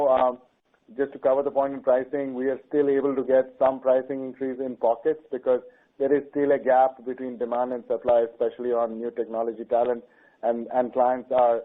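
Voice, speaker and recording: A man answering questions as a company executive on an earnings call. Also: medium pitch. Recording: tinny narrowband conference phone line.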